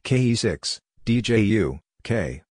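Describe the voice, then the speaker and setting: Low voiced guy reading ham radio lines real slow, dry close sound. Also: very animated, background noise. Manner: measured, clipped reading of radio jargon. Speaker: Morse code practice instructor.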